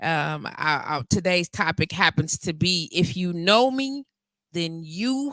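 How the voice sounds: A woman's fairly bright voice at a slow pace, with a dry, close sound and no echo.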